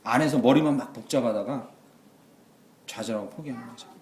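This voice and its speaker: A man preaching a sermon as pastor, moving between quiet asides and loud exclamations. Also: mid-range voice, a little fast. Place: church sanctuary. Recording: echoey church hall.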